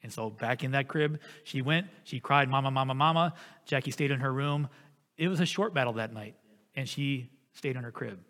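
A man preaching a sermon as pastor, telling a family story in an earnest, animated way. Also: medium pitch, moderate pace, long reverb tail.

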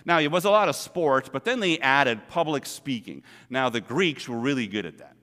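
With a bright, forceful medium-pitched voice, this middle-aged preacher is expressive at a moderate pace, delivering an earnest, conversational sermon and hammering points through repetition. Long church reverb fills the sanctuary.

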